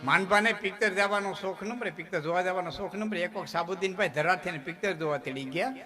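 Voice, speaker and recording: A man's voice: high voice, fast talker, music in the background. A man with a Kathiawadi Gujarati accent telling humorous folk stories on stage, chatty and jokey, often checking in with his listeners. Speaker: folk storyteller. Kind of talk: live humorous folk storytelling. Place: stage before a live audience. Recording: live audience noise. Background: crowd.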